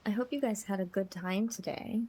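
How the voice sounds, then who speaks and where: A woman hosting a livestream, chatting casually to her viewers in a gentle, appreciative way. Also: medium pitch, brisk, husky, low-quality recording. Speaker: livestreamer host.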